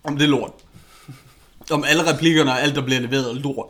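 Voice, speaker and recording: A man's voice: medium pitch, steady tone, fairly bright tone. Crude, blunt Danish man co-hosting. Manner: crude, blunt, many fillers and restarts. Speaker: podcast co-host reviewing a film. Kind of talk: casual chat.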